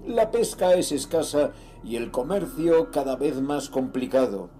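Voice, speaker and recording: A man's voice: medium pitch, expressive, a little slow, warm tone, faint music behind, natural voice. An actor playing a greedy, restless sea captain reading out his diary in a horror audio drama. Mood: grim.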